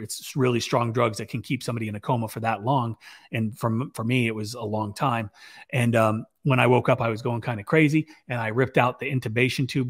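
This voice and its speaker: A raspy-voiced man in his forties talks straight to camera into a big boom-arm podcast mic in his home office. He rambles casually, restarting sentences and dropping fillers as he tells his story. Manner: conversational, many fillers and restarts, gestures while talking. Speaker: business owner vlogger. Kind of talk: casual talking-head storytelling. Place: home office with shelves, indoors. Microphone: large podcast mic on boom arm.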